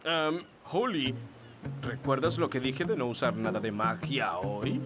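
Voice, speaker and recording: A man's voice: mid-range voice, measured pace, natural voice. A man with a Latin American Spanish accent voicing a fussy, proud, good-natured elf father in a children's cartoon dub, with music underneath. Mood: polite, measured.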